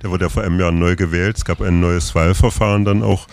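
Deep-voiced male radio host. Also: steady tone, fast, vocal fry. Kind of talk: community radio interview.

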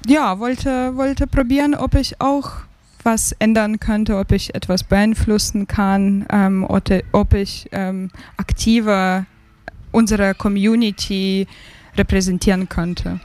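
Slow, hesitant woman from Ukraine. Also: mid-range voice, fairly even intonation, darkish tone. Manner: slow and hesitant, many fillers. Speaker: guest, migrant advisory council member. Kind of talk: radio interview.

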